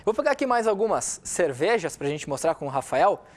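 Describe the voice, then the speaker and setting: A man's voice: a little high, very animated, fairly quick. A man, hosting a TV panel and asking friendly, short questions. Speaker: TV talk show host.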